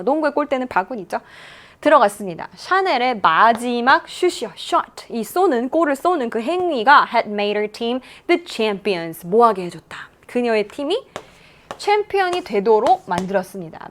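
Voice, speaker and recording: A woman English teacher walks students through an exam passage, reading English lines slowly before explaining them. Her fairly high voice swoops up and down with animated expression. She sounds like she is lecturing in a studio. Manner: lively, reads English lines slowly then explains in Korean.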